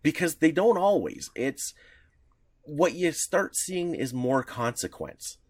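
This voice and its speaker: Very animated yet slow, this man's voice is a little high and a little mellow, captured in a dry recording. As a podcast co-host, he chats casually about comics history, rambling with lots of fillers and restarts.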